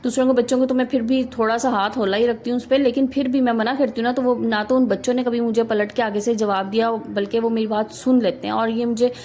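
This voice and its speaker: A Pakistani housewife vlogger in her thirties, with an Urdu accent, gives earnest family advice straight to camera in a casual vlog, often tossing in a rhetorical "na." Her voice is fairly high and darkish with fairly even intonation, and she talks fast with hardly any pauses over a little hiss or hum.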